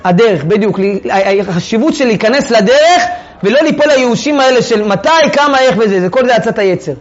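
A man's voice: very high voice, expressive, highs cut off. A man teaching a Torah text class, reading sources aloud and then explaining them in casual everyday speech. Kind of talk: text-study lesson to a class.

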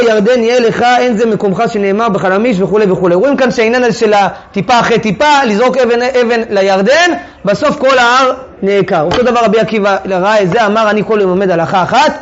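A man's voice: high-pitched, muffled recording. A man teaching a Torah text class, reading sources aloud and then explaining them in casual everyday speech. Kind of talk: text-study lesson to a class.

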